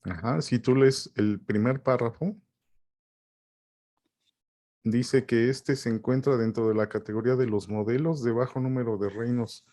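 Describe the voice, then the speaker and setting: A man's voice: mid-range voice, steady tone, mellow. A man with a Mexican Spanish accent, a professor questioning a student over a video call and closing a seminar. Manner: probing, measured. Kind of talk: academic questioning and closing remarks.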